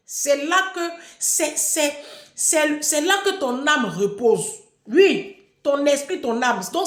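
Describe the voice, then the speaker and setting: A woman with a high voice lectures her followers in a loose, unscripted monologue. She scolds with emphasis and keeps repeating words to drive points home. The room around her sounds echoey. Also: fairly bright tone. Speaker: online personality addressing followers.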